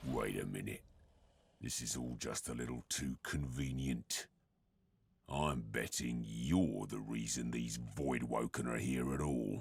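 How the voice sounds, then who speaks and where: A gravelly, growling put-on character voice with fairly even intonation. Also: man, very deep, low pitch for a man, fairly slow pace. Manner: suspicious.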